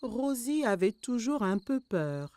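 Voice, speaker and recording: A woman narrating a children's cartoon story in a gentle, expressive storytelling manner. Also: a little high, a little slow.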